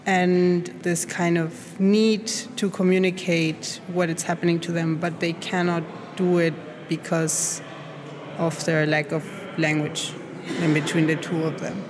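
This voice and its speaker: A woman's voice: on the low side, level tone, measured pace. Hesitant woman. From Chile. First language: Spanish. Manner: hesitant, searching for words, many fillers. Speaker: art student. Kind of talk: interview answers. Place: art academy studio. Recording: noisy recording.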